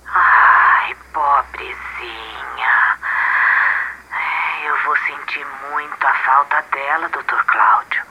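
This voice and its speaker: Brazilian housemaid on the telephone. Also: female voice, low voice, slow pace. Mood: shocked sorrow. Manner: deferential, colloquial. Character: simple, respectful, affectionate female housemaid. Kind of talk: radio drama acting. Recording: dull telephone line with faint noise.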